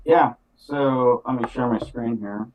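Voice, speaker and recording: An older man, a veteran mechanical engineer, explaining his background in a plain, matter-of-fact, somewhat halting way. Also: mid-range voice, noisy background. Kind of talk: casual technical talk.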